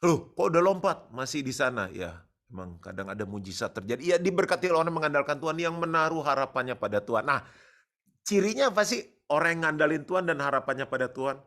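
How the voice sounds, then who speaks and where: A male pastor preaching a sermon, animated and joking, slipping English words into his talk. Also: mid-range voice.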